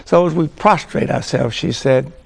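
A man introduces a religious TV show and reads a devotional passage in a solemn, deliberate way. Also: medium pitch, creaky, husky. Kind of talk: devotional reading.

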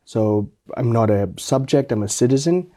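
A man's voice: medium pitch, lively intonation, normal speed, mellow. A man from Malaysia, a guest explaining things articulately with some repeated starts. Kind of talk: interview storytelling.

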